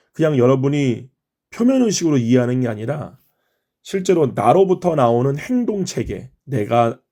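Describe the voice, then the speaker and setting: A middle-aged male pastor from Chungcheong leads a morning devotional. He prays and then explains his teaching in an earnest, careful way. His voice is mellow and relaxed, set at an ordinary male pitch. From Chungcheong, Korea. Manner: earnest, explanatory preaching with prayerful phrasing. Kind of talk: morning devotional prayer and sermon.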